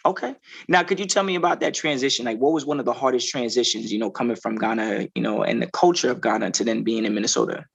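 A man's voice: mid-range voice, fast talker, vocal fry, few pauses, breathy edge, lo-fi sound. A man hosting an interview show, upbeat and repetitive, asking questions with many fillers. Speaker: podcast host.

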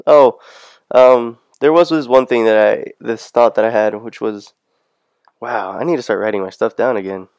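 A man's voice: medium pitch, moderate pace, a little mellow, smooth, no echo. A man hosting a casual solo podcast, talking in a rambling, hesitant way and often losing his thread. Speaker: podcast host. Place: standing in the middle of his room at home.

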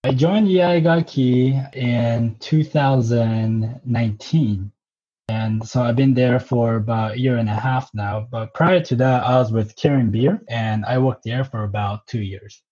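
A man in his thirties, born in Japan and raised in southern California, relaxed and casual as an interview guest, often pausing with "uh". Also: mid-range voice, husky, lo-fi sound. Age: 30s. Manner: relaxed, pauses with uh, tempo speeds and slows. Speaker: guest, brewery representative.

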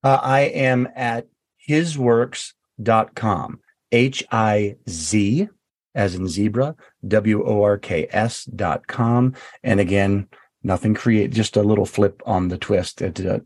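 In a studio-quality recording with no room sound, a male author with a lowish voice shares personal stories during an interview. His delivery halts and repeats words, livening up whenever he quotes himself.

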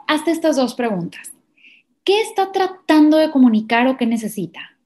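High-voiced woman giving parenting advice. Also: warm tone. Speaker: parenting educator. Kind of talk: explanatory podcast talk.

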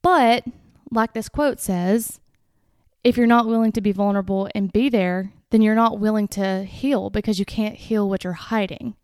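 A woman podcast host speaks in a nasal, slightly stuffed-up voice. Her delivery is informal and conversational at a middle pitch, recorded close and dry with little room sound. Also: fairly even intonation, normal speed, darkish tone, dry recording. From Southern United States. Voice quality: nasal, congested. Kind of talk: casual solo podcast monologue.

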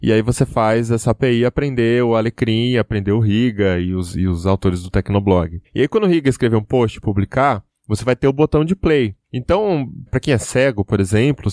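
A man's voice: medium pitch, darkish tone, no echo, clean studio sound. A man with a Brazilian Portuguese accent co-hosting a podcast, easygoing and explaining ideas through examples. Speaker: podcast co-host. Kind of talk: casual chat.

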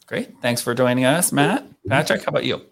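A man with a middling pitch hosts a podcast in a friendly, conversational way. He welcomes his guests and leads them with questions. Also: expressive, a little fast, creaky, a crowd in the background. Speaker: podcast co-host. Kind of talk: podcast hosting, interviewing.

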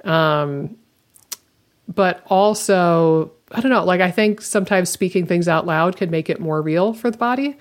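A woman's voice: lowish voice, unhurried. A woman co-hosting a podcast, talking in a casual, chatty way and filling her sentences with "like.". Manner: chatty, lots of "like" fillers. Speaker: podcast co-host. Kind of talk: casual chat.

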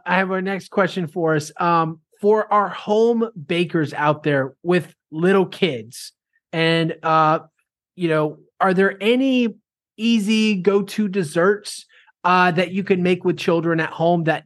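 A man's voice: sits high, fairly even intonation, measured pace, a bit bright, no echo, clean studio sound. A man hosting a casual interview, upbeat and repeating himself, with some fillers. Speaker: podcast host.

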